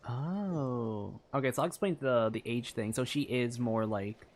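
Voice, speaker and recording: A woman's voice: a bass voice, measured pace, a little mellow. A woman streaming a video game, reacting with baffled, blunt remarks and laughing asides. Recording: game music faint behind.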